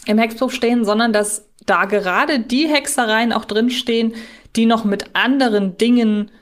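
A woman's voice: on the high side, moderate pace. Woman podcaster, casual and inquisitive. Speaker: podcast co-host. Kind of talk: casual discussion between fans.

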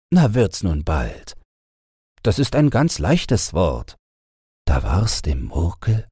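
A man narrating a scripted bedtime story as an audiobook reader, in a gentle, measured manner. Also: extremely low pitch, husky, dry recording, studio quality.

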